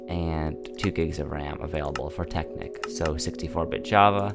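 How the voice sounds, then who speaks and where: A man at a moderate pace, music in the background. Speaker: gaming YouTuber. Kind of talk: tutorial. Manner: casual with filler words.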